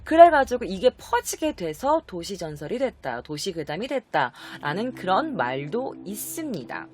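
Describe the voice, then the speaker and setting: A woman casually telling an urban legend to her viewers, chatty and animated, briefly acting out the quoted voices. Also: medium pitch, normal speed, crowd noise. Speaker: YouTube storyteller. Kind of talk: casual spooky storytelling.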